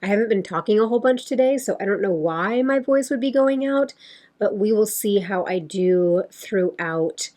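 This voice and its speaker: Young female beauty vlogger, casual and chatty, slightly hoarse. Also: mid-range voice, animated, normal speed, a little mellow. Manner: chatty, rambling, with many fillers. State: slightly losing her voice. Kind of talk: casual chat.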